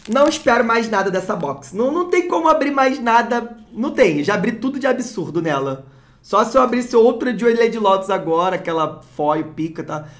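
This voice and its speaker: A Brazilian-accented channel host giving casual unboxing commentary, excitable, swearing and repeating exclamations. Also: medium pitch. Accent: Brazilian Portuguese. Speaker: card-opening channel host.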